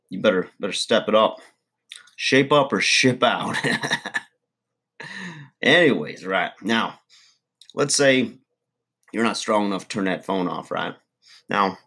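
A man's voice: fairly low pitch, fairly bright tone. A man playing a crude, boastful middle-aged redneck uncle, rambling folksy advice in a comedy monologue.

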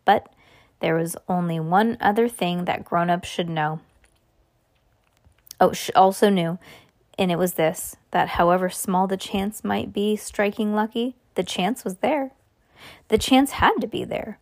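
A woman's voice: mid-range voice, unhurried. Woman reading a bedtime story aloud. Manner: relaxed, with small slips and restarts. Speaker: podcast host reading aloud.

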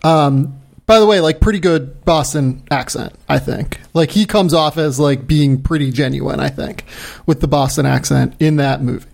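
A man's voice: a little high, normal speed, creaky, darkish tone. A man hosting a podcast in casual chat, talking loosely and repeating words. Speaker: podcast host.

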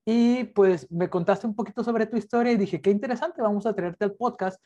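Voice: medium pitch, brisk, dark tone. A podcast host talking in a friendly, teasing, chatty way while interviewing a guest over a video call. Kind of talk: casual interview chat. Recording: slightly dull, lo-fi audio.

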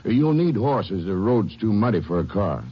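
Gruff husky texas sheriff, kinda defensive, folksy, muffled 1950s radio western. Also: male voice, fairly low pitch, sing-song, moderate pace. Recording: muffled old radio recording.

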